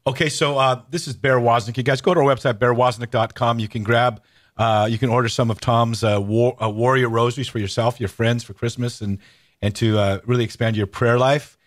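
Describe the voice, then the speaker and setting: Animated middle-aged male radio host. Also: medium pitch, a little fast. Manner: animated storyteller, many restarts and fillers. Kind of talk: casual radio interview chat.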